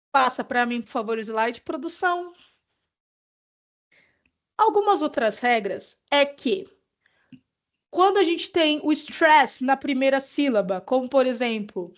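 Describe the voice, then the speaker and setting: A woman teaching an English pronunciation lesson, explaining patiently and checking in with "ok?". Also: high-pitched.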